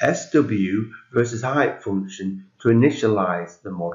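Against a quiet background, a man talks at a very slow pace in a somewhat breathy voice. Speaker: presenter. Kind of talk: lecture. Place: home room.

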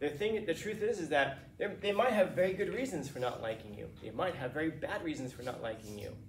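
Over light background noise and audible room echo, a man talks at a fairly quick pace with very wide pitch swings. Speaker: teacher. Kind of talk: lecture. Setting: classroom. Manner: stutters, repeats words. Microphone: camera far.

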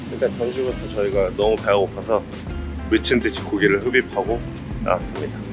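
A man talks at a moderate pace in a dry sound with no echo while clear music plays in the background. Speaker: travel vlogger. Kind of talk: casual vlog chat. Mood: cheerful, full after meal. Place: street. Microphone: phone near.

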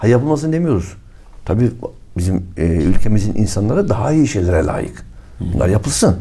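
Somewhat breathy and dark, mellow in tone, a man's fairly low voice moves through very wide pitch swings amid audible room echo. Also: moderate pace. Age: 60s. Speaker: lawyer and local party leader. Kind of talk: interview.

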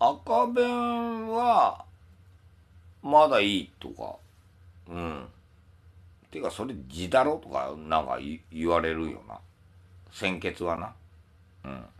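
His loudness shifts in big swings. The man talks at a very slow pace, pausing often and at length. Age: old. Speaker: live streamer. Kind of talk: livestream chat. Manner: rough casual. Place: home room. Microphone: studio mic.

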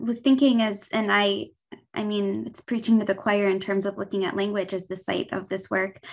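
Speaking at a fairly quick pace is a woman. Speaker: graduate student in linguistic anthropology. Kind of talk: Q&A question. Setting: video call. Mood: engaged, thoughtful. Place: home room. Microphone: webcam.

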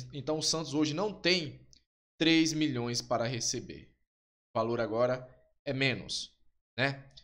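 Against a quiet background, a man talks at a fairly slow pace with ordinary pitch variation and long, frequent pauses. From Brazil. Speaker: football YouTuber. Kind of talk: casual vlog commentary. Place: home room. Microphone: studio mic.

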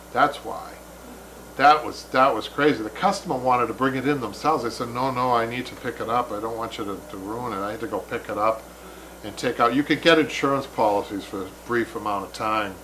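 Over light background noise, a man with an American accent talks fairly quickly, his loudness swinging widely while his pitch varies in an ordinary way. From Massachusetts. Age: 60s. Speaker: upholsterer and show host; upholstery instructor. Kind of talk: casual live chat. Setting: online live stream from workshop. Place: workshop.

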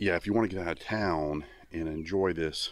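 Against a quiet background, a man speaks at a moderate pace in a very deep, low pitch. His pitch varies in an ordinary way, and the sound is dry with no echo. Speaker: hiking vlogger. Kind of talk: casual vlog chat. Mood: relaxed, upbeat. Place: forest. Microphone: phone near.

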